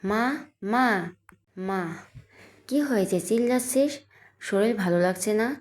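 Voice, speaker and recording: A woman's voice: medium pitch, unhurried, a little mellow. Woman reading a Bengali romance story. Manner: reads every character's lines in her own voice, naming each speaker first. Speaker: audio story narrator. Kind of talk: scripted story reading with character dialogue.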